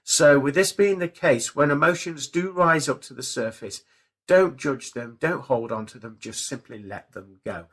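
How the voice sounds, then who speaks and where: A man hosting a spiritual radio show, talking in a measured, reassuring way as he gives guidance and addresses his listeners. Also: mid-range voice, a bit bright, husky. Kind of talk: spiritual forecast and show sign-off, semi-improvised talk.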